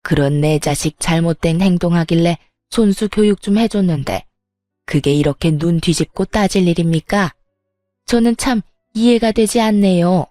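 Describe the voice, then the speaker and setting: A woman's voice: lowish voice, fairly even intonation, normal speed, mellow, dry recording, studio quality, soft background music, lightly acted. A woman voicing an angry, scolding middle-aged mother-in-law in a narrated story, talking in a sneering, hectoring way.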